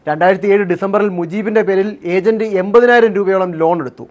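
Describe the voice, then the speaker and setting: High-pitched man narrating a news report. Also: quick pace, muffled recording. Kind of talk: scripted investigative news narration.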